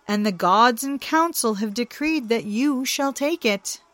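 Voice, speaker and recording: A woman's voice: a little high, lively intonation, a bit bright, no room sound, pitched above the performer's own voice. A woman voicing a cunning, mocking male trickster god in a storybook reading, speaking in a sly, teasing way. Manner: sly, teasing, drawn-out mockery.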